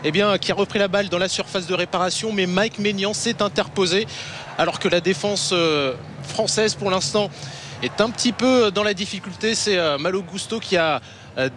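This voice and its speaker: A man with a high, raised voice calls every move of the match, stumbling over fillers as the action runs on. there is a clear wash of noise behind him. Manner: excited, many fillers. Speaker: play-by-play commentator. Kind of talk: live match commentary.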